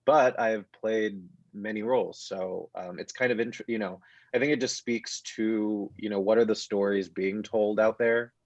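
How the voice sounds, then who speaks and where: Male, about 30, lower register, thoughtful and halting panel guest, dry but dull-sounding audio. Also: fairly even intonation, no room sound. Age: 30s. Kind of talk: reflective panel conversation. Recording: muffled, dull online-call audio.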